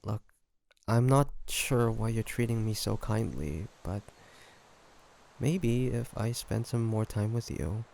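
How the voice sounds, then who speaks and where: A man voicing a brooding, gentle ancient vampire in an intimate audio roleplay, speaking haltingly and pensively. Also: fairly low pitch, animated, gravelly, slight background noise, exaggerated voice. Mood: tender. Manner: halting, soft-spoken, pensive with sighs.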